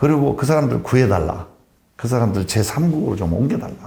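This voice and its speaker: In a Jeolla accent, a man with a medium-pitched voice speaks at a moderate pace with very wide pitch swings. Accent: Korean Jeolla dialect. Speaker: medical professor. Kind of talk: interview answer. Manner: calm, matter-of-fact.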